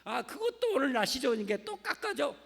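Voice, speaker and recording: A man's voice: very high voice, sing-song, a little fast, gravelly, pitched above the performer's own voice, full character voice. Man putting on a brash talking medicine peddler. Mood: hawking. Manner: haggling, coaxing, loud sales patter. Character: pushy fast-talking male street medicine peddler. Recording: echoey church hall.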